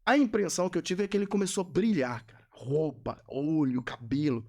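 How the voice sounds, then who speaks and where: This is a man with a slightly higher-than-usual voice, a guest on a podcast. He is a Catholic missionary telling a personal testimony, and he speaks earnestly, circling back to the same words to stress them. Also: brisk, darkish tone. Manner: earnest storyteller who repeats phrases for emphasis.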